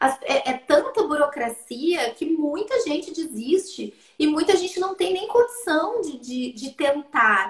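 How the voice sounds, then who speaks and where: A woman speaks at a high pitch with very wide pitch swings and a fairly slow pace. The background is quiet, and room echo is audible. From Porto Alegre, southern Brazil; Rio Grande do Sul, Brazil. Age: 40s. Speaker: dancer and dance teacher; dance teacher. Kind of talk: interview, personal story; interview answer. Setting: online live stream. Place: home room. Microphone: earbuds.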